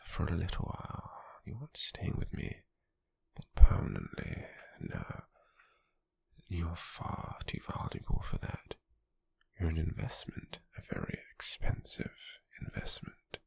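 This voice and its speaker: A British man playing a possessive, calculating, smug slave merchant in a hushed ASMR roleplay, with a husky, breathy, gravelly voice and a slow, deliberate delivery. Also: low-pitched, heavily acted. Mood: cool, instructive. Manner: slow, deliberate, with lingering pauses.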